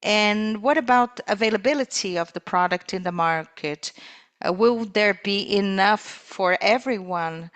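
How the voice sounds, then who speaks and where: A woman interpreting live on a corporate call, speaking in halting phrases with pauses mid-sentence. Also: medium pitch, a bit bright.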